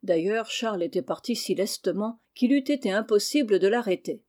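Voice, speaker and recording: A woman narrating a classic novel aloud in a measured storytelling manner. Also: medium pitch, lively intonation, darkish tone. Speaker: audiobook narrator. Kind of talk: scripted literary narration.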